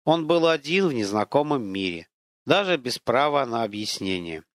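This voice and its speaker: A man narrating an audiobook in an expressive, dramatic storytelling manner. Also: medium pitch, normal speed, no echo, studio quality.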